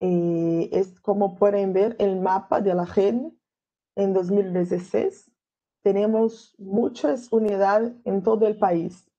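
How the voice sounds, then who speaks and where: Slow Brazilian-accented woman lecturing in Spanish. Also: mid-range voice, mellow, muffled recording. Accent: Brazilian Portuguese. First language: Portuguese. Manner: slow and careful, searching for words. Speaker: guest lecturer.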